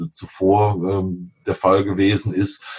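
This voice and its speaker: A somewhat breathy man's voice at a fairly low pitch. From Lower Rhine, Germany. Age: 40s. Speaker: roofing trade association president. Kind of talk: interview. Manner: hesitant, many fillers.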